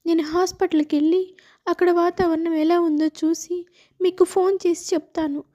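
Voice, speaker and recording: A woman's voice: extremely high pitch, steady tone, normal speed, warm tone. Woman voicing a tearful young wife Suvarna. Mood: gentle. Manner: pleading, tearful. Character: worried young wife and daughter-in-law.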